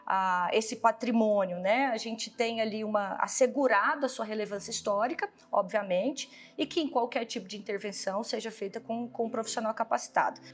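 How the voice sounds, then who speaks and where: A woman's voice: a little high, fairly quick, hardly any pauses. A woman with a Brazilian accent giving an explanatory interview answer, often checking in with short tag questions.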